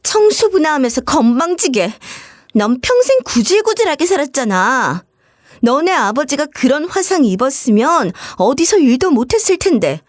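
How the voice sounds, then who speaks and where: A woman's voice: very high voice, big pitch swings, normal speed, dry recording, studio quality, pitched above the performer's own voice. A woman voicing a rude, contemptuous young woman who mocks her sister-in-law and whines when she is crossed. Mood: sneering. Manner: mocking, contemptuous.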